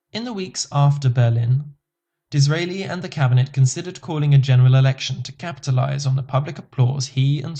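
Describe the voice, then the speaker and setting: A man reads an encyclopedia article aloud as scripted narration. His delivery is even and measured. The voice sits at a middle pitch with a mellow, warm tone.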